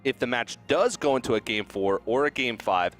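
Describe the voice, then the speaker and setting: A man explaining the format and stakes of an esports tournament in a clear, step-by-step way. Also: medium pitch, animated, moderate pace, a bit bright, soft background music. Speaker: esports caster.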